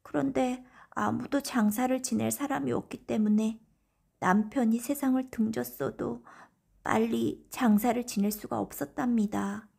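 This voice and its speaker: A woman's voice: on the high side, fairly even intonation, a little slow, gravelly, warm tone, breathy edge, voice pushed up, full character voice. A woman voicing a grieving young widow of about thirty in a folktale storybook, speaking politely and plaintively. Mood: sorrowful. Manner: formal, deferential, plaintive.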